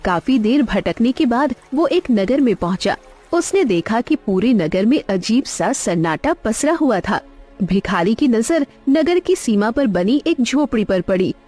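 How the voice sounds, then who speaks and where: A woman narrating a cartoon story in an expressive, dramatic way. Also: a little high, unhurried, faint music behind.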